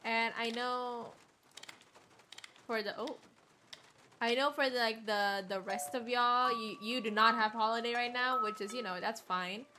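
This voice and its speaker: A woman livestream host chatting casually in a rambling, hesitant way with halting sentences. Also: fairly high pitch, fairly even intonation, background noise. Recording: music playing behind the voice. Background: clear background music.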